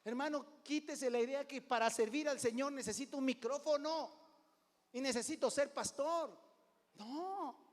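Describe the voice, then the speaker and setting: Pastor preaching in a reverberant church. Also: male voice, extremely high pitch, a little slow. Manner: conversational preaching, calls "hermano" often, swings between loud and hushed. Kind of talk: sermon. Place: church sanctuary. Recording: long hall reverb.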